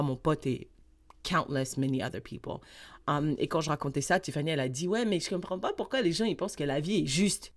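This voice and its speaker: A woman co-hosting a podcast, chatting casually and switching between French and English mid-sentence in an animated way. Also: lowish voice. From Mauritania. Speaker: podcast co-host.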